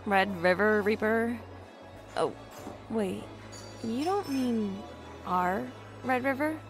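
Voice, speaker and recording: A woman's voice: on the high side, slow pace, over music. A woman playing a guarded, overworked young woman. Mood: reserved. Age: 20s. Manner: reserved, defensive, a little awkward. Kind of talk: audio drama acting.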